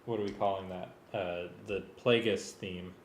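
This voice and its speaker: A man with a lowish voice talks through work casually, pausing as he thinks aloud. His manner is hesitant. The room is echoey, with a little noise behind him. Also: steady tone. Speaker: music arranger rehearsing for a live script reading. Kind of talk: casual working discussion.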